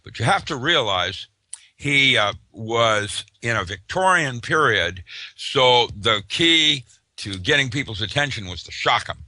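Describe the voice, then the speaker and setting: A man's voice: medium pitch, animated, unhurried, bright, forceful tone, no room sound. An older man talking as an interview guest, rambling loosely with lots of "uh" fillers and restarts. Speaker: interview guest, author and physicist. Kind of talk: casual interview talk.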